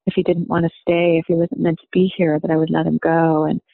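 A woman telling a personal story in an interview, reflective and halting, often pausing with "you know.". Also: low-pitched, level tone, creaky, no echo. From United States. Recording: dry, tinny phone-like sound.

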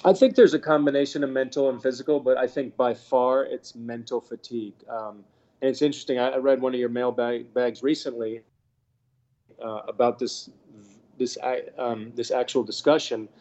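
A man in his fifties from the Bahamas, telling his story in a relaxed, chatty interview with lots of fillers. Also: mid-range voice, moderate pace, muffled recording. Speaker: guest, former tennis pro. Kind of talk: casual interview talk.

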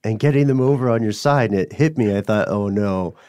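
A man's voice: fairly low pitch, fairly quick, a little mellow, no room sound, clean studio sound. A man co-hosting a podcast in a conversational way, talking with a guest and addressing listeners. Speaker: podcast co-host. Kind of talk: conversational interview and show sign-off.

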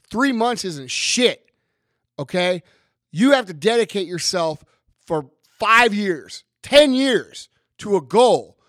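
Hoarse, raspy man ranting bluntly. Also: high-pitched, fairly bright tone, dry recording, studio quality. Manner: blunt, emphatic, swearing freely. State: hoarse, losing his voice. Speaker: podcast host. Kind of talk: profane motivational rant.

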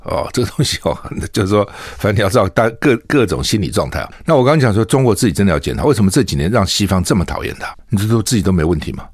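A man's voice: fairly low pitch, very animated, racing, hardly any pauses, a little mellow, dry recording, clean studio sound. An older man from Taiwan, a radio talk show host, giving opinionated commentary full of scolding rhetorical questions. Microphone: studio microphone.

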